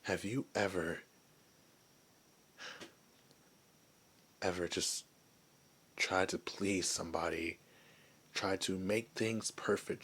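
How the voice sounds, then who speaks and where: A man playing a gentle, lonely werewolf who was once human, in a soft, hesitant, confiding ASMR roleplay voice. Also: low voice, husky, full character voice. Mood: hurt, confiding. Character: gentle, lonely male werewolf, former human, wistful outcast.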